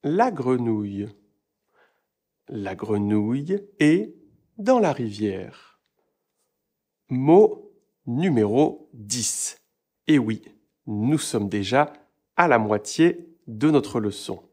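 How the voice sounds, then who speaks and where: Un professeur de français qui donne une leçon de prononciation, en articulant chaque mot avec beaucoup de soin pour ses élèves. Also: male voice, medium pitch, big pitch swings, darkish tone. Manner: slow, deliberate, over-articulates words for learners. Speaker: French teacher. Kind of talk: pronunciation lesson.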